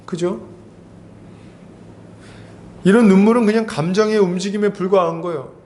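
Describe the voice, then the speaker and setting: A man's voice: high-pitched, fairly even intonation, moderate pace, darkish tone, a little hiss or hum. A man pastor preaching an expository sermon, emphatic, acting out Bible scenes and asking the congregation rhetorical questions.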